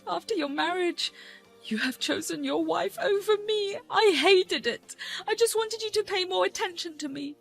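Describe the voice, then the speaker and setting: A shrill, scheming older mother-in-law snaps and pleads, as a woman narrator puts her on, her voice pushed far above the teller's own. Faint music runs underneath. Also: moderate pace, creaky. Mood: pleading, tearful. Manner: shrill, sobbing, venomous.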